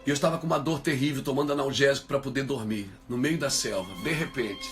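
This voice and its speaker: A man's voice: mid-range voice, fast talker, soft background music. A male pastor telling a personal story in a sermon, moving from easy conversation to fervent preaching.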